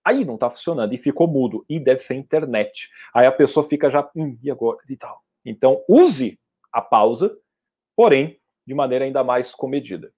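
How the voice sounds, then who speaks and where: Male oratory trainer, casual Q&A teaching, emphatic with loud bursts. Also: medium pitch, normal speed, husky. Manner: lively and emphatic, with sudden loud outbursts. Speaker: public speaking and NLP trainer. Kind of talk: casual teaching, answering audience questions.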